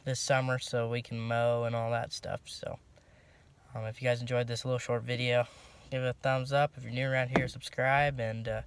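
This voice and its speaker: A young man in casual vlog talk, filming himself on a phone at arm's length in a pickup cab, relaxed and rambling with lots of ums and restarts. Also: mid-range voice, moderate pace, gravelly, slight background noise. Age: young adult. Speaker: farm vlogger. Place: inside a pickup truck cab and outdoors around it. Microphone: phone held at arm's length.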